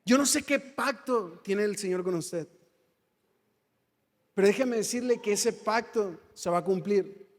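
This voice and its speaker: High-voiced Mexican preacher in reverb. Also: male voice, measured pace, long pauses. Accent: Mexican Spanish. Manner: fervent, asks the congregation rhetorical questions. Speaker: pastor. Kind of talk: sermon. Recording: long hall reverb.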